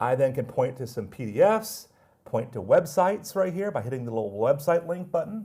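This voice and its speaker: A man speaks in a fairly high pitch with a dark, mellow tone. His pitch swings very widely. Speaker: tech trainer. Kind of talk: live webinar tutorial. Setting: live online session. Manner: fast.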